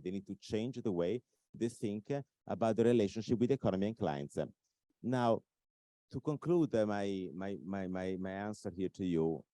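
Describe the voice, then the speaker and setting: A man with an Italian accent explaining his ideas in an interview, pausing often on uhs and stressing his key points. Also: on the low side, mellow, no room sound. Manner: explanatory, many filler uhs, emphatic points. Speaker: author and expert speaker. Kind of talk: recorded interview talk.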